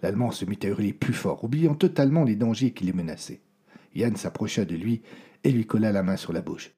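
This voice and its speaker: Male storyteller, hushed suspenseful narration, low voice, very breathy. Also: brisk.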